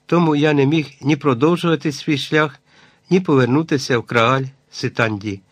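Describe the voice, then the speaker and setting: A man voicing an injured, bearded hermit who has long been unused to talking, speaking quietly and unsteadily. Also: fairly high pitch, normal speed, dry recording, close to an everyday voice. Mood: faltering. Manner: faltering, quiet, unsure speech.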